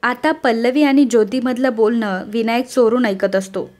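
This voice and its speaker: A woman with a fairly high voice narrates a TV serial recap in a steady, scripted storytelling style. She talks to her audience directly and reads off long lists of viewers' names. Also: moderate pace. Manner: addresses listeners as friends, reads long name lists.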